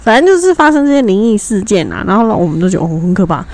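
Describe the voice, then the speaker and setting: A woman's voice: mid-range voice, rapid-fire. A young woman, co-hosting a podcast and telling a story in casual chat, acting out the voices in her anecdotes. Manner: animated storytelling, acts out quoted dialogue. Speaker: podcast co-host.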